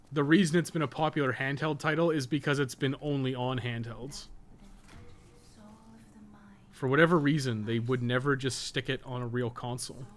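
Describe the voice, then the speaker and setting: Blunt man over clear background noise. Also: medium pitch. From North America. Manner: blunt, opinionated, sweary rambling. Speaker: game streamer and podcast co-host. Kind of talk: casual livestream chat while playing a game.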